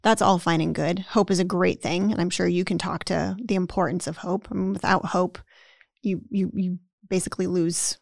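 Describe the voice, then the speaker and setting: Chatting casually as a podcast co-host, this woman speaks at a normal pace in a fairly low, steady voice with vocal fry. She often tags her sentences with "right?" and acts out the self-talk of the people she describes. The studio-quality recording has no room sound.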